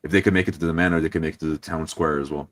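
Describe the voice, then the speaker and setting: Man acting earnest adventurer, extremely low voice, solemn, formal, dry close sound, tabletop roleplay. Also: fairly even intonation, no echo. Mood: urgent. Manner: solemn, formal, measured wording. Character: earnest, protective adventurer, grateful and courteous.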